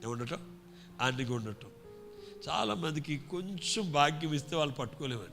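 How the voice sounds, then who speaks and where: A man preaching a sermon, calling on the congregation to answer back and shouting praise. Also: on the high side, lively intonation, moderate pace, gravelly, faint music behind. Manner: call-and-response preaching, shouting hallelujahs. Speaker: pastor.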